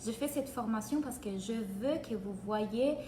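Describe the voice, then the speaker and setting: Italian woman coaching live, kinda high voice, echoey room w faint background hum. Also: measured pace. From Italy. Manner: energetic, greets viewers by name mid-talk. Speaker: business coach. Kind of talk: live-streamed free training.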